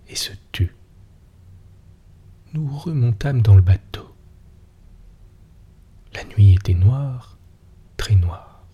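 A man narrating a story in a breathy near-whisper. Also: on the low side, mellow.

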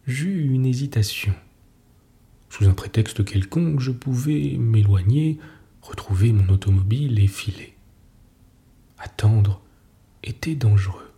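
A man reads a story aloud in a calm, deliberate way. His voice is slow and gravelly, with a dark, mellow tone throughout. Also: lowish voice. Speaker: audiobook narrator. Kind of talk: scripted storytelling narration.

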